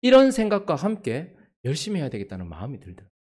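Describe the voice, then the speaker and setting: A male pastor giving a sermon, telling a personal story in a lively way and acting out the people he quotes. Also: on the high side, fast. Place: church.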